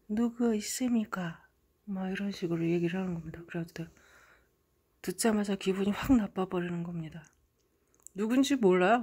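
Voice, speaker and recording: A middle-aged woman talks through a story as the host of her own channel. Her voice sits low and sounds breathy and husky. Her delivery is dramatic, sinking to hushed murmurs and then rising into sudden loud bursts. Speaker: channel host interpreting a dream. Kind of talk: casual storytelling monologue.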